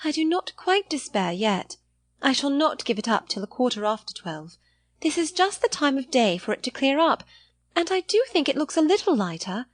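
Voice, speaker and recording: A woman's voice: high-pitched, sing-song, normal speed, no room sound, pitched above the performer's own voice. A woman voicing an anxious, earnest young lady of seventeen in an audiobook of a period novel, with plaintive, polite speech. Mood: wistful, despondent. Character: anxious, earnest seventeen-year-old young lady, hopeful then despondent.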